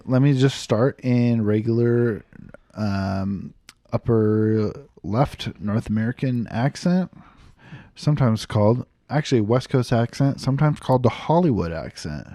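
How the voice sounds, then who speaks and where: A man's voice: lowish voice, a little slow, dark tone, no room sound. A man co-hosts a casual podcast recorded in a garage. He talks in a playful, joking way and drifts between voices and accents. The sound is close and dry. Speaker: podcast co-host. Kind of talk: casual chat.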